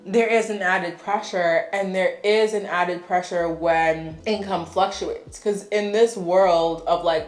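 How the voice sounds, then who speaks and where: A young woman vlogger chatting casually and frankly while doing her makeup, sounding congested and laughing often. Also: on the low side. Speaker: beauty vlogger. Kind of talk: casual get-ready-with-me chat. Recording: echoey room.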